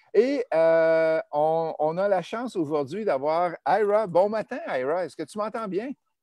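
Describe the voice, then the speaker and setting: With a dark, mellow tone and a high pitch, a man in a Quebec accent talks at a very slow pace with hardly any pauses and lively intonation, in a dry, close sound with no echo. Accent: Québécois French. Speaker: real estate investing host. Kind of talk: live-streamed interview. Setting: live video stream.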